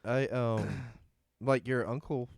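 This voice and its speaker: A young man co-hosting a podcast, teasing his friend in a deadpan way and often mumbling. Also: mid-range voice, takes it slowly, dry recording. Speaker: podcast co-host. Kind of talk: casual banter.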